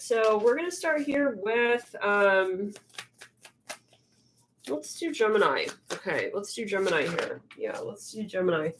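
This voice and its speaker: Hosting a tarot livestream, a young woman rambles chattily, leaning on fillers and frequently muttering to herself. Her slightly congested, mid-range voice has a fairly bright tone, with a bit of hiss or hum in the recording.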